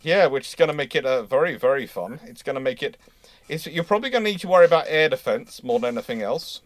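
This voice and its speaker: A man leads an informal live discussion in a medium-pitched voice. He rambles, repeating and rephrasing as he thinks aloud. The sound is dry, with little room around it. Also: animated, quick pace, no room sound. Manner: rambling, repeats and reworks phrases. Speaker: host of a live naval history Q&A. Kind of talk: unscripted discussion, reading out viewer questions.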